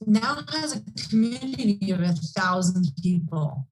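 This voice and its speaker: A woman energy healer co-hosting a call-in show, speaking gently and enthusiastically while her remote call audio breaks up and cuts out. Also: medium pitch, lively intonation, measured pace, a little hiss or hum. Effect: remote call audio breaking up and cutting out. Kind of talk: casual chat on a call-in show. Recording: distant, broken-up online call line.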